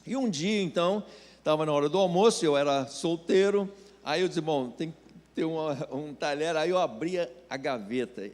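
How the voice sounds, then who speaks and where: Man, Brazilian accent, pastor, sermon, storytelling, fairly high voice, long hall echo. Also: moderate pace, a little mellow. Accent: Brazilian Portuguese. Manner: storytelling, acting out dialogue.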